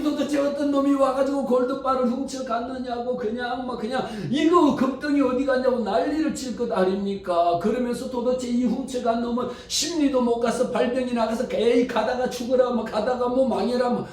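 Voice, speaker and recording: A male pastor preaching a Sunday sermon with animated storytelling and frequent rhetorical questions, in a church sanctuary. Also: extremely high pitch. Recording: far mic in very echoey hall.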